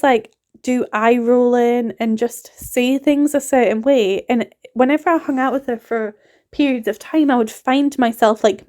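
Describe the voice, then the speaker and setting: A woman's voice: a little high, a little mellow. A woman in her thirties with a mixed northeast English and Scottish accent, chatting casually in a voiceover for her cleaning vlog, rambling and laughing often. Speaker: cleaning vlogger.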